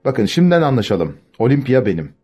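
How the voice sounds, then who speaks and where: Male reader doing an arrogant young officer in an audiobook, scornful and curt, low and mellow, with faint music behind. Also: big pitch swings, quick pace, breathy edge, muffled recording. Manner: dismissive, haughty.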